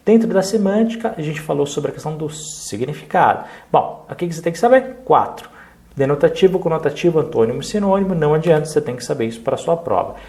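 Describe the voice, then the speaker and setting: A man's voice: a little high, animated, fast talker, darkish tone. A Brazilian Portuguese-speaking man teaching an exam review lesson, explaining step by step and checking in with short tag questions.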